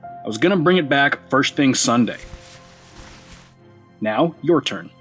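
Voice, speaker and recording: An actor playing a blunt, exasperated man who works at a school, in an audio drama, husky and dry. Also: medium pitch, lively intonation, a little slow, fairly bright tone, soft background music. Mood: guarded, dry. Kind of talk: naturalistic audio drama acting.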